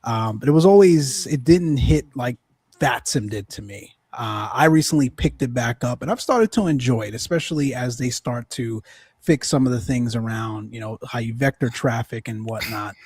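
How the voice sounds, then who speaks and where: A man's voice: mid-range voice, moderate pace, a little mellow, breathy edge, dry recording. Male podcast host, mid-range voice, loose rambling questions, dry recording. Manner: rambling, many restarts, asks questions. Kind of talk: casual podcast chat.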